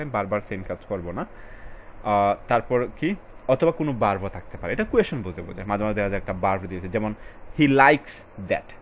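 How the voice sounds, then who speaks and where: Tutor reading English words slowly. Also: male voice, fairly low pitch, a little hiss or hum. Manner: switches between Bengali and English, reads passage lines slowly and stresses words; addresses students directly, casual colloquial. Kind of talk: recorded exam-prep lesson.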